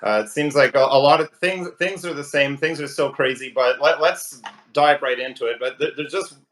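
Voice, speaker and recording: A man hosting a live-stream interview over his phone, talking in an animated, ranting way. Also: mid-range voice, moderate pace, poor audio. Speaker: talk show host.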